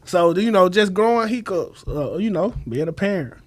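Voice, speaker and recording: A man's voice: high voice, normal speed. A young man with a Southern Black American accent telling casual, slangy stories full of swearing as a podcast guest. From Mississippi, USA. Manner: slangy, profane, animated storyteller. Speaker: podcast guest, former party promoter. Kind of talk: casual storytelling in conversation.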